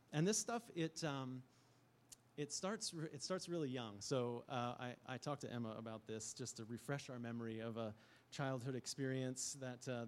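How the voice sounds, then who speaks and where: A middle-aged man giving a conversational sermon as pastor, telling stories with frequent fillers. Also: mid-range voice. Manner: storytelling, animated with frequent fillers.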